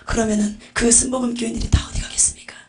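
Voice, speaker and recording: A woman's voice: a little high, flat delivery, racing, soft background music. A woman giving a fervent religious testimony, telling it dramatically and dropping into whispered asides. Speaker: testimony preacher.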